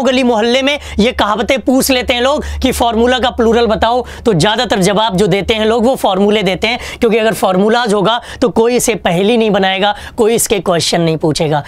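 A man's voice: very high voice, no room sound. A man teaching an online exam-prep English lesson, chatty and joking, asking questions and answering them himself. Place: online class studio with a whiteboard.

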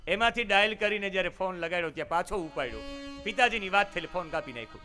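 A man's voice: sits high, lively intonation, quick pace. A man preaching in a devotional storytelling style, telling moral tales with dramatic emphasis. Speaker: religious storyteller. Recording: violin music behind the voice.

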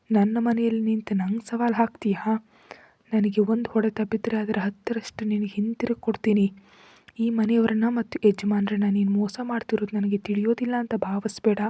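A woman reading aloud gives voice to a proud young wife who refuses to be pushed around, her lines breathed in a husky, scornful whisper. The tone stays dark and low, close and dry on the mic. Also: no echo, natural voice. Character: defiant young wife standing her ground.

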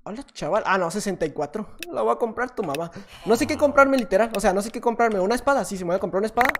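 A man with a Mexican Spanish accent giving chatty, self-mocking gameplay commentary, with sudden excited shouts. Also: high voice, rapid-fire. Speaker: gaming YouTuber.

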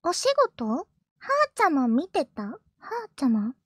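A woman streamer voicing a clingy, possessive yandere little sister, sweet and doting but turning jealous and menacing, sometimes dropping to a hushed whisper. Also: high voice, very animated, measured pace, no room sound, studio quality. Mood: sweetly clingy. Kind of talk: live-stream character role-play, reacting to chat.

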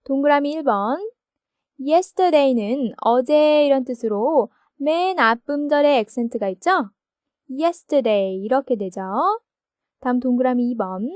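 Woman teacher explaining grammar real slow, high voice, dry studio sound. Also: a little mellow, no echo. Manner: slow, explanatory, asks confirming questions. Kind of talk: recorded textbook lesson.

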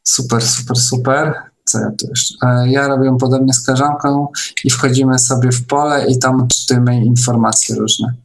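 A man hosting an online meeting in casual chat, speaking in a hesitant, halting way. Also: mid-range voice, little pitch movement, rough recording.

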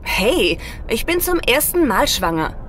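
An actress playing a mysterious, gently insistent wife in a science fiction audio drama, earnest in manner. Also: female voice, on the high side, big pitch swings, unhurried, slight background noise. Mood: anxious, affectionate.

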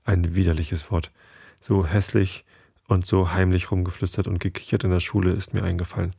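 Low, gravelly male story reader. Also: level tone, brisk, mellow, no echo, clean studio sound. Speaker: podcast host reading a story. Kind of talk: calm scripted story reading.

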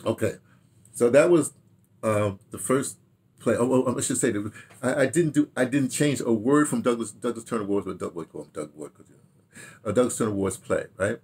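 An older man with a husky voice reminiscing casually to camera, halting and digressive as he muses aloud and repeats words. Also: mid-range voice, darkish tone. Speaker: veteran radio drama director recounting career. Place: small furnished home room with bookshelves.

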